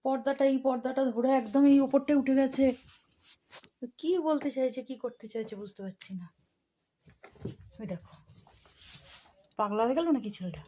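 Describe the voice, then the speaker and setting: A woman's voice: high-pitched, normal speed, long pauses, dark tone. A woman filming at home indoors, talking fondly and coaxingly to her cat in a casual vlog, her voice jumping up when she is alarmed. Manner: fond, coaxing, rising sharply when alarmed. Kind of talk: casual home vlog, baby talk to a pet.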